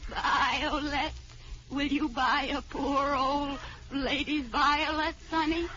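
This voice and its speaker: A woman's voice: high-pitched, fairly even intonation, slow pace, background noise. A woman in a 1940s radio comedy voicing a poor, pleading old woman who sells violets, with a bleating, goat-like quaver. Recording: dull old radio broadcast.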